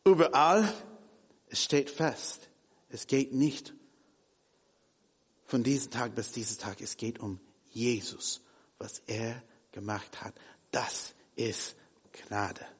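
A man whose first language is English preaching a sermon in German, shifting between hushed and emphatic delivery. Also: mid-range voice, fairly even intonation, slow, pauses often, breathy edge, long reverb tail. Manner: non-native German, swings from hushed to emphatic.

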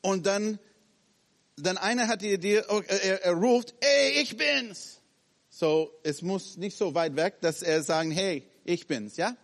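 Animated preacher man in a reverberant hall. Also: high-pitched, unhurried. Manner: animated, acts out scenes in short broken phrases. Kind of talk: sermon.

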